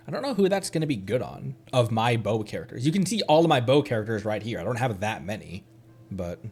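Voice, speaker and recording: A man giving casual live commentary on a gaming stream, rambling and thinking aloud as he goes. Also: mid-range voice. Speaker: streamer and host.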